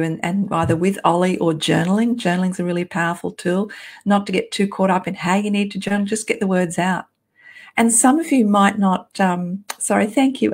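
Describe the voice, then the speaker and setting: A woman hosting an informal live talk, speaking in a down-to-earth, encouraging and conversational way. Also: mid-range voice. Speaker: workshop host, essential oils guide. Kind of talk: informal live online talk, answering viewer comments.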